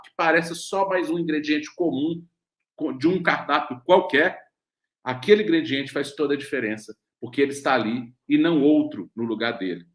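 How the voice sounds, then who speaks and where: This fairly high-pitched man, heard with reverberation, is a doctor with a Brazilian Portuguese accent leading a weight-loss mentoring program. In his lecture he's patient, sprinkling in "né?" check-ins and rhetorical questions.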